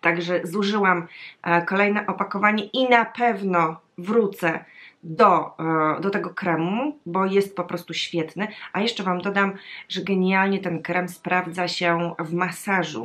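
Here a woman talks at a fairly slow pace with fairly even intonation. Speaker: beauty vlogger. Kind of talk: casual vlog product review. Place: home room.

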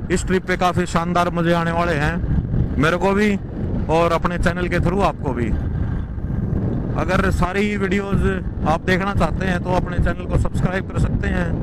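A man speaks over loud background noise. The sound is dry, with no echo. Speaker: motorcycle travel vlogger. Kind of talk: casual vlog chat. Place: motorbike. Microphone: helmet.

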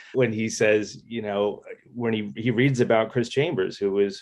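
With a Boston accent, a man talks against a quiet background. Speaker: screenwriter. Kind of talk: casual interview. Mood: reflective, personal. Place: home room.

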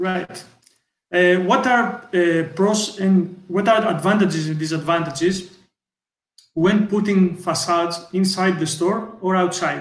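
With audible room echo around him, a man speaks slowly at a fairly unhurried pace, his high pitch held fairly even. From Greece. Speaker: Q&A moderator. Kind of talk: Q&A interview. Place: home room. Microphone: video call.

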